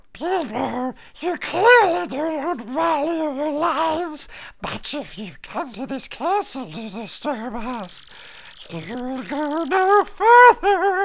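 The speaker puts on a high-pitched character voice. The pace is very slow. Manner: hissing.

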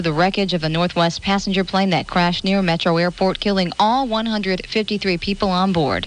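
A woman speaks at a moderate pace with ordinary pitch variation. The sound is dry with no echo. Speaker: radio news anchor. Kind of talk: 1980s radio news bulletin, anchor reading. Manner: formal, grave, steady newsreader. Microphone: old recording.

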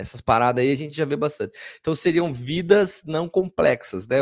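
A man's lively intonation carries at a moderate tempo, with only quiet in the background. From Brazil. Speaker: podcast host. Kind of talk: casual chat. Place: home room. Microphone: studio mic.

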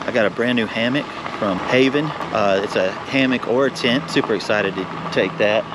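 There is noticeable background noise. A man speaks over it fairly quickly. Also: dry sound with no echo. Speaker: outdoor gear vlogger. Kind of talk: casual vlog chat. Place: bicycle. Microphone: phone near.

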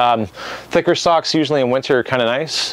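A man speaks in a dry sound with no echo. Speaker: tattoo artist. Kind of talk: casual talk to camera. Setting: outdoors. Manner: fast. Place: home room.

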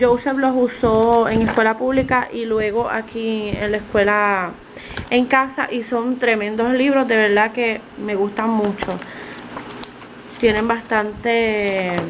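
A woman's fairly high voice, very slow, with long, frequent pauses, fairly even intonation, and noticeable background noise. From Puerto Rico. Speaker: vlogger and homeschooling mom; vlogger. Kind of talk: casual vlog talk. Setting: at home. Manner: soft, quiet speaking. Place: kitchen. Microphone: phone near.

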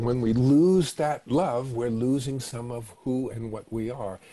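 A man speaks at a medium pitch with a dark, mellow tone. His pace is fairly slow and his voice is somewhat breathy. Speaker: physician and meditation teacher. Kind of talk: guided meditation; webinar talk. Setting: webinar recording. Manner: slow, soothing, calm; conversational, rambling with fillers. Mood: warm, gentle, reflective. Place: home room. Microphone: webcam.

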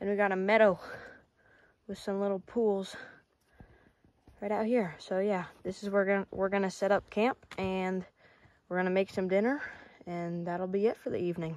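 At a moderate pace with long, frequent pauses, the voice keeps fairly even intonation against a quiet background, with dry sound and no echo. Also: woman. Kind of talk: casual vlog chat. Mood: relaxed, cheerful. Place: forest. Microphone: phone near.

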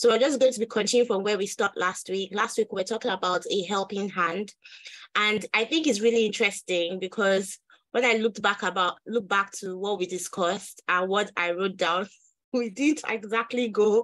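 A woman at a fairly quick pace with ordinary pitch variation, in a dry sound with no echo and a quiet background. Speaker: Sunday school teacher. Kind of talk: lecture. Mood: warm, lightly laughing. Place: home room. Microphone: webcam.

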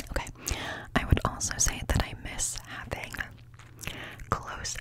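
A woman speaks at a fairly slow pace, and the sound is dry with no echo. Loud background noise runs behind her. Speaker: ASMR-style vlogger. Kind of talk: casual soft-spoken chat. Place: home room. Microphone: studio mic.

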